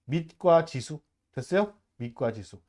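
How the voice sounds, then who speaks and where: Lively, chatty math teacher. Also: medium pitch, a little slow. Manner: chatty, checks in with constant rhetorical questions; emphatic, drills students to say terms aloud. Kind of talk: casual lecture to middle school students.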